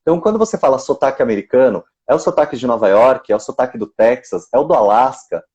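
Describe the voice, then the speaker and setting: A Brazilian man with a Brazilian accent hosting a live-stream interview, an English teacher asking deliberately provocative questions in a playful way. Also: mid-range voice, lively intonation, a little mellow, lo-fi sound.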